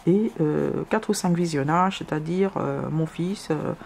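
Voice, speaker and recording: Fairly slow speech from a woman, noticeable background noise all around. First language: not French (speaking French). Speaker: YouTuber. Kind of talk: casual chat. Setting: at home. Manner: halting.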